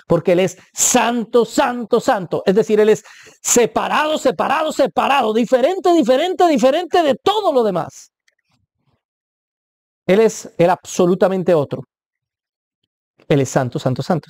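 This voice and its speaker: A man's mellow, warm voice explains scripture in an emphatic preaching manner, driving points home through repetition and frequent questioning asides to the listener. The sound is dry and close, with no room around it. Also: very high voice, dry recording. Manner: emphatic, stresses points by repeating words. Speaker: preacher teaching Bible interpretation. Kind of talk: Bible teaching talk.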